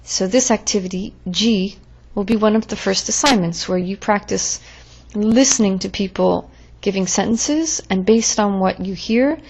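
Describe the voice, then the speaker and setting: A woman's voice: medium pitch, moderate pace, darkish tone. A woman teaching French verb conjugations in a patient, drilling way, as in a recorded lesson.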